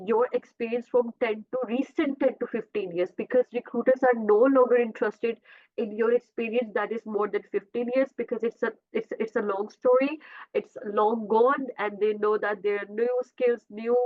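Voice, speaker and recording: A woman whose first language is Urdu gives a career coaching talk over a video call, often pausing with fillers and correcting herself mid-sentence. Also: a little high. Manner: repeats and self-corrects, frequent uh fillers. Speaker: career coach presenting a webinar. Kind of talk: informal presentation with slides. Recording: tinny phone-like video call audio.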